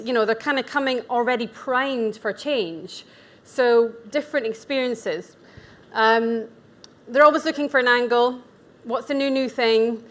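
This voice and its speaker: A woman's voice: fairly high pitch, a bit bright. A woman in her forties with a Scottish accent, giving a conference talk as a nutrition practitioner. She speaks chatty and candid, with asides and self-deprecating humour. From Scotland. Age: 40s. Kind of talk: conference presentation. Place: event venue.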